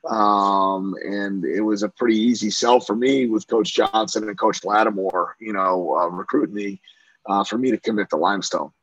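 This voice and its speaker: A man's voice: lowish voice, fairly even intonation, moderate pace, fairly bright tone, highs cut off. A middle-aged man from Central New York, a lacrosse coach, talking casually in an interview with lots of fillers and restarts. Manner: talkative, many fillers and restarts.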